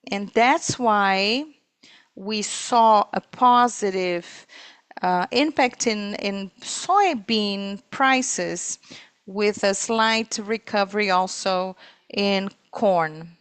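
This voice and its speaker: A woman interpreting live on a corporate earnings call, speaking in halting, piecemeal phrases. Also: mid-range voice, clean tone, dry recording. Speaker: simultaneous interpreter.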